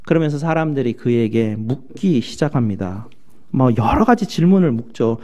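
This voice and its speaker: A male pastor preaching a sermon in a church, animated, swinging from loud outbursts to low asides. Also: normal speed.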